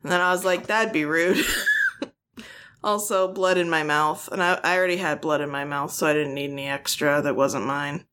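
A woman's voice: sits low, little pitch movement, a little fast, a bit bright. A woman co-hosting a podcast in casual chat, teasing dryly and laughing often. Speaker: podcast co-host.

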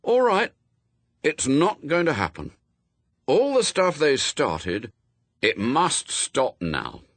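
Man voicing a self-assured, offhand boy, pitched up. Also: huge pitch swings, slow, no echo, full character voice. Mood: decisive.

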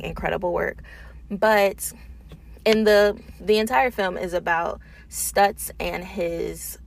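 A woman's voice: on the low side, creaky, a little hiss or hum. A woman talking casually and informally in an unedited solo podcast, thinking aloud as the host, recorded in a small office booth.

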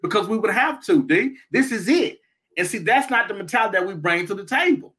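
A man's voice: high voice, expressive, brisk, a bit bright. A man in his fifties co-hosting a casual chat show, talking emphatically and repeating his points like a sermon. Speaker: podcast co-host.

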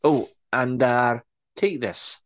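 A man voicing a bossy, predatory woman manager in a put-on Scottish accent, husky and murmuring. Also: mid-range voice, slow pace, lightly acted. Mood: pushy. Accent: attempted Scottish.

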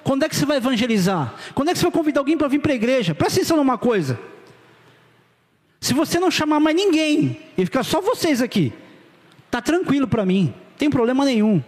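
A man's voice: very high-pitched, sing-song, quick pace, in a large hall. A middle-aged man with a Brazilian Portuguese accent preaching a sermon to his congregation, urgent and direct, with casual slang. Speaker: pastor. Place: church hall.

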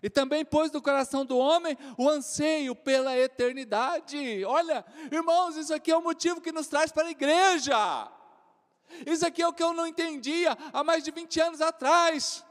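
A man in his forties with a Brazilian accent preaching a sermon, swinging from loud exclamations to soft joking asides. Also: very high-pitched, fairly even intonation, normal speed. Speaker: pastor. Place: church hall. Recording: reverberant church hall.

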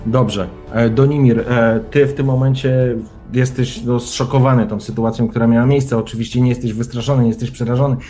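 A man's voice: mid-range voice, level tone, brisk, few pauses, dark tone, faint music behind. A man running a tabletop role-playing session as game master, narrating immersively in the second person with dramatic build-up.

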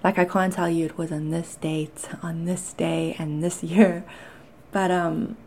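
Mellow, creaky South African-Canadian woman. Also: on the low side, level tone, unhurried. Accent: mixed South African and Canadian. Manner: candid, conversational, hesitant. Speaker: podcast host. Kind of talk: personal confessional talk to listeners.

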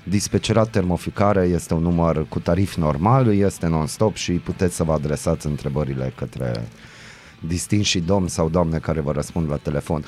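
A man hosting a regional radio morning show, loud and jokey as he reads the news and banters with his co-hosts. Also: low-pitched, faint music behind. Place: radio studio.

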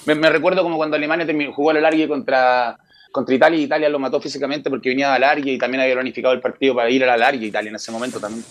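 Fast-talking panelist man. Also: medium pitch, fairly even intonation. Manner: rapid, rambling with restarts. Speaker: sports panelist. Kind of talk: casual sports panel chat.

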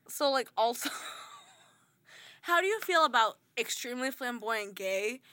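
A woman's voice: fairly high pitch, lively intonation, measured pace, sharp tone, no room sound. A woman hosting a reaction video, teasing and laughing as she comments on clips.

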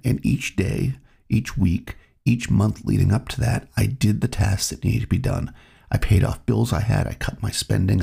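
A man hosting his own podcast, talking in a relaxed, reflective way while he has a cold. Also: on the low side, gravelly, slightly rough. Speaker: podcast host. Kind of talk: solo podcast monologue.

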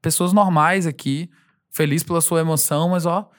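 A male singer being interviewed, talking in a relaxed, rambling way, laughing often and acting out fans' voices. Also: on the high side, normal speed. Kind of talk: casual interview conversation.

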